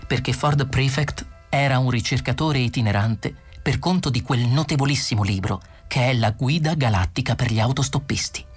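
An audiobook narrator reading a comic novel in an expressive, lively way. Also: normal speed, few pauses, faint music behind. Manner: expressive, with wide pitch swings.

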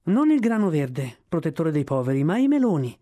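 Man voicing a little boy, shy, eager, earnest, raised pitch, storybook reading. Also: big pitch swings, brisk, mellow. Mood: pleading. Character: small shy elephant-keeper boy, eager.

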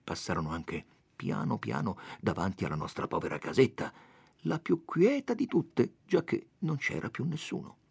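Guy reading an old novel aloud, husky voice, pitch all over the place, dry close sound. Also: moderate pace, no echo. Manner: expressive, raises pitch for quoted characters. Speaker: audiobook reader. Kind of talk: dramatic literary reading.

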